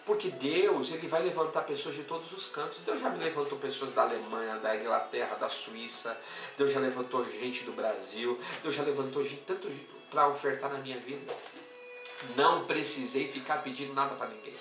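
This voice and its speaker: A man with a Brazilian Portuguese accent teaching a theology class as a preacher, swinging between loud exclamations and quiet storytelling. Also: mid-range voice, moderate pace. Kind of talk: sermon-style teaching. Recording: echoey room, voice somewhat far from the mic, faint music.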